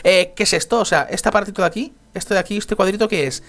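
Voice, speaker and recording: A young man giving excitable gameplay commentary, yelping and laughing when he falls. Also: high voice, fast. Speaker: Minecraft let's player.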